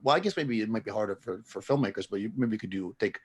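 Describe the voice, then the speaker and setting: A man hosting a casual chat as a photographer, talking in a quick, chatty way and laughing easily. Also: lowish voice, husky. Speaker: photographer host.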